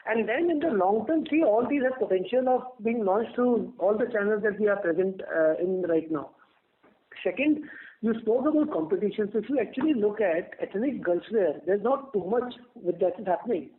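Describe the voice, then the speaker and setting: A man's voice: high-pitched, animated, moderate pace. A man with an Indian accent, a company executive explaining things on an earnings call, repeating words as he thinks. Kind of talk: answering questions on an earnings call. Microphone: telephone line. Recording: narrow, tinny phone line.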